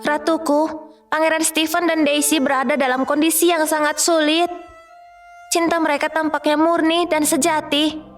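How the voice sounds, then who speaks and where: A woman's voice: sits high, flat delivery, moderate pace, soft background music, natural voice. A woman voicing an insistent, urgent fairy messenger in a children's fairy tale cartoon. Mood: pleading.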